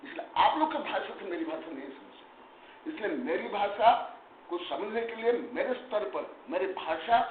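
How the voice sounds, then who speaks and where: A high-pitched man with a very lively, rising and falling voice teaches a scripture class, emphatic and scolding his students. The sound is echoey and thin like a phone line. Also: normal speed. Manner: emphatic, animated, chiding students, mixes English terms. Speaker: Jain monk teacher. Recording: echoey room, tinny phone-like sound, faint noise.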